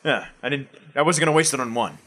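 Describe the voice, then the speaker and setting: A man's voice: mid-range voice, lively intonation, quick pace, fairly bright tone. A man playing a cleric in a tabletop game, eager and explaining his moves. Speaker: player. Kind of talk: casual tabletop play.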